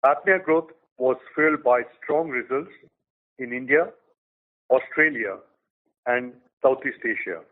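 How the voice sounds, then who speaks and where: Company CEO, medium-pitched man, reads quarterly results in a measured way over a phone-quality line. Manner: measured, reads figures in short phrases. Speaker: company chief executive. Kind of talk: prepared business update.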